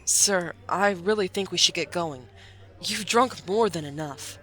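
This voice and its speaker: A woman's voice: fairly low pitch, measured pace, sharp tone. An actress playing a sensible, dutiful woman officer in a fan audio drama, speaking with formal, patient restraint. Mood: patient concern. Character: sensible, sober, dutiful female military subordinate.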